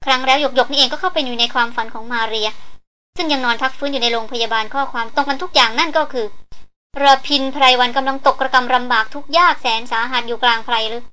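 A woman's voice: high voice, quick pace, bright, forceful tone. A woman narrating a novel aloud, voicing the characters' dialogue as she reads. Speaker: audiobook narrator. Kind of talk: novel reading with character voices.

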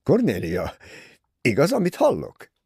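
A man's voice: mid-range voice, wildly swooping pitch, gravelly, warm tone, husky, dry recording, studio quality, pitched above the performer's own voice, heavily acted. A male reader voicing a hot-headed young man in an audiobook, speaking in indignant outbursts.

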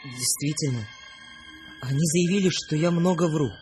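A man's voice: on the high side, moderate pace, lightly acted. An actor playing a sensitive young man, a wary dreamer, in a radio drama, questioning and earnest. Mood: curious. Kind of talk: Russian radio drama acting. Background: music.

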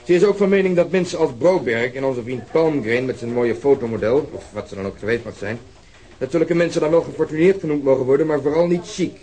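A sardonic police detective, played by a man in a radio play. He talks with sharp irony at a mid pitch, pointed and dry in his remarks. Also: brisk, slight background noise, natural voice, poor audio. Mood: ironic. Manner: sarcastic, sharply ironic. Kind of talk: radio drama acting.

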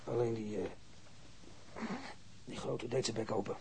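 A man playing a grumbling wounded policeman in a radio drama, halting and repeating himself. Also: lowish voice, fairly even intonation, creaky, mellow, slight background noise. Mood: halting, searching. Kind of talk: naturalistic radio drama acting.

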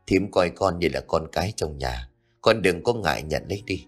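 A man's voice: sits low, expressive, moderate pace, slightly rough, faint music behind. A man doing a kind motherly village aunt. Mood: caring. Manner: gentle, soothing, coaxing.

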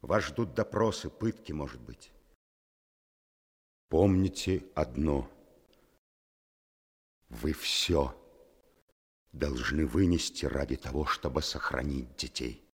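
An actor playing a grave, fatherly army major commanding a besieged fortress in a radio drama, with a deep husky voice. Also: lively intonation, takes it slowly, pauses often, full character voice. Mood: solemn, pleading.

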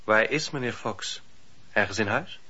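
An actor playing a stern, suspicious husband with a formal, sardonic manner in a radio play. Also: male voice, on the low side, measured pace, bright, forceful tone, slightly rough, heavily acted. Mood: cool, sardonic. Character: stern, suspicious husband, dignified master of the house. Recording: dull lo-fi radio play recording.

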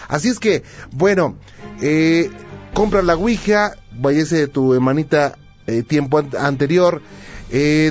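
A man hosting a radio call-in show, brisk and friendly with his caller. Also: fairly high pitch, darkish tone, muffled recording. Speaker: radio host. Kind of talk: late-night radio call-in talk.

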